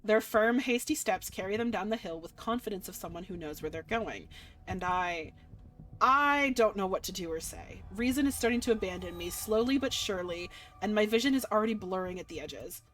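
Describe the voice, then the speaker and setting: A woman game streamer reading a visual novel aloud dramatically and adding casual, expressive commentary. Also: medium pitch, fairly quick. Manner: expressive, reactive.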